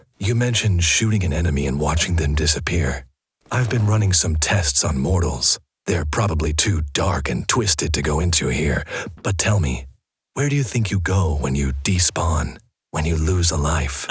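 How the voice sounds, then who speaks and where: In a put-on character voice, a man speaks with very deep, low pitch. His tone is deadpan and his pace moderate. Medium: comedy sketch. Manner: cool, deadpan, edgy.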